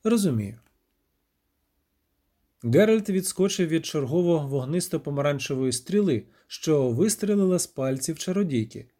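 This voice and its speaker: A man reading a fantasy novel aloud with dramatic, expressive narration. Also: a little high, normal speed, hardly any pauses. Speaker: audiobook narrator. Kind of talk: scripted narration.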